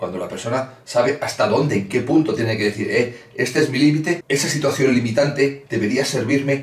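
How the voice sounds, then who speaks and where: Here a man talks at a moderate pace. Audible room echo surrounds his voice. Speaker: fitness coach. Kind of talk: casual vlog chat. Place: home room. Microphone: webcam.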